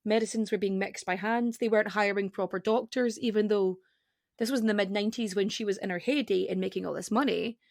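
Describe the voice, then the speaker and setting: A woman guest with a regional accent on a podcast, chatting casually and rapidly, cutting herself off with fillers. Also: mid-range voice, steady tone, creaky, a little mellow, no echo, clean studio sound. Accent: non-standard regional accent. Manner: rapid, self-interrupting, with frequent fillers.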